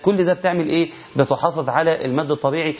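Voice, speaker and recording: Brief: Egyptian man, recitation teacher, higher-pitched, quizzes listeners then chants slow verse examples, dull lo-fi audio. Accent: Egyptian Arabic. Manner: asks rhetorical questions and answers them, demonstrates by chanting drawn-out verses. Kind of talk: recitation lesson. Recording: lo-fi muffled recording.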